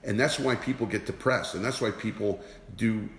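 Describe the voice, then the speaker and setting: Over slight background noise, a man with a lowish but fairly bright voice speaks at normal speed. He is an energy awareness teacher giving an emphatic motivational talk full of repeated rhetorical questions, recorded in a roomy space with long reverb.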